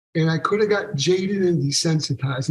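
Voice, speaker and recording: This man has an ordinary speaking voice, fairly high in pitch, with ordinary pitch variation and a fairly quick pace. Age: 60s. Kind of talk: podcast interview testimony.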